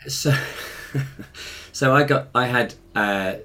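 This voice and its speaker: A man's voice: mid-range voice, very slow, sharp tone, slight background noise. A man in his fifties with an English RP accent, telling personal stories conversationally in a hesitant, self-correcting way. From Africa and Ireland, later England. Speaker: interview guest, musician and choir director.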